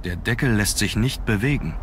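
An actor playing a brooding young nobleman in an adventure game, speaking in a measured, sombre manner. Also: on the low side, lively intonation, slight background noise, close to an everyday voice. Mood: sombre, pensive. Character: brooding young nobleman searching an old castle. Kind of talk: scripted adventure game dialogue.

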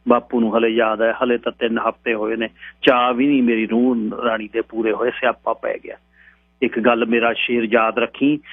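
A man hosting a radio show, reading a short story aloud in an earnest, measured way. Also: mid-range voice, dry recording. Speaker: radio host and story reader. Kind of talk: storytelling narration. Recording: tinny radio broadcast with mains hum.

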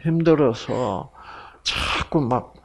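A man's voice: medium pitch, slow, creaky, breathy edge. A middle-aged man giving a health lecture to an audience, acting out quoted voices. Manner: animated, acts out quoted voices.

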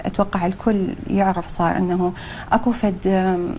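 A young woman with an Iraqi Arabic accent, a guest in a TV studio interview, talking with many pauses and fillers and slipping in English phrases. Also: mid-range voice, steady tone, noisy background. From Iraq.

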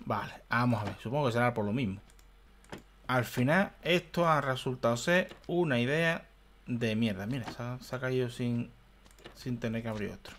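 A man's voice: mid-range voice, lively intonation, normal speed, fairly bright tone, a little hiss or hum. Exasperated man narrating gameplay. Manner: exasperated, swearing and muttering to himself. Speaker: gaming youtuber. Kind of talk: let's play commentary.

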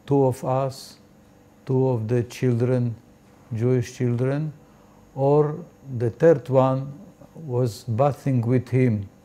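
An older man interviewed in his study, recalling memories slowly and hesitantly with many pauses. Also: mid-range voice, dark tone. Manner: slow, hesitant, full of pauses and fillers. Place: indoor study with bookshelves.

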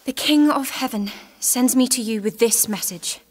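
Young devout peasant maiden, earnest and bold, higher voice, for audio drama. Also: female voice, moderate pace, breathy edge. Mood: solemn, assured.

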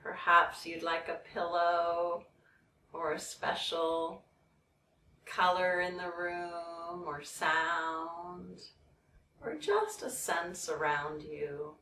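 A woman leading a guided meditation in a soothing, measured way, leaving long pauses between phrases. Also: on the low side, bright, forceful tone. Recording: roomy, distant mic, background noise.

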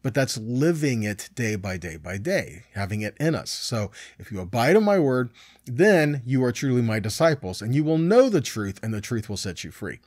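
A man's voice: medium pitch, sing-song, normal speed, darkish tone, no echo, studio quality. A middle-aged man teaching scripture in an informal sermon, conversational and often answering his own questions. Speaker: Bible teacher.

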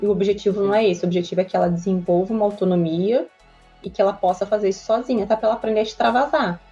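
A woman's voice: mid-range voice, racing, mellow, soft background music. A Brazilian woman, a child psychologist, explaining emotions patiently in an interview, often checking in with "né?". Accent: Brazilian Portuguese. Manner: earnest, patient, explains step by step with frequent "né?". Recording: slightly dull lo-fi audio.

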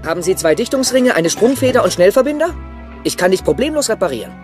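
Ein Schauspieler spricht in einem Kinderhörspiel einen höflichen, eifrigen jungen Roboter-Erfinder, freundlich und ernsthaft. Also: male voice, high voice, very animated, fast talker, soft background music. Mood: helpful. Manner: friendly, earnest. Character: polite, eager, earnest young male robot inventor. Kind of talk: children's audio drama acting.

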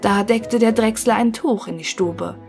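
Woman narrator, calm bedtime storybook read, faint music bed. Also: on the high side, a little slow. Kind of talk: fairy-tale audiobook reading.

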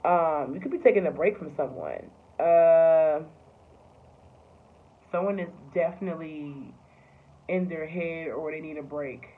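A woman's voice: deep voice, measured pace, pauses often. A woman giving a casual tarot reading, talking loosely with lots of fillers and swearing. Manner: loose, profane, filler-heavy talk. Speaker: tarot reader. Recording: tinny phone-like sound with faint noise.

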